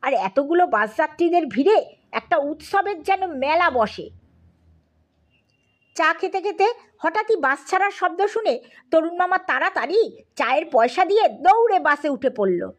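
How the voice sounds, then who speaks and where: A woman with a high voice narrates a story in an expressive, theatrical way. Her pitch moves in lively swings as she reads the scripted tale like an audiobook performer. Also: a little slow. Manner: theatrical, acts out dialogue.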